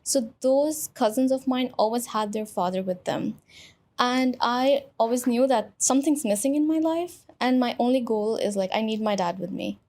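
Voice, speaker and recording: A fairly high, slightly mellow voice at normal speed belongs to a young adult influencer from Pakistan. Appearing as a casual interview guest, she shares her story chattily with plenty of fillers.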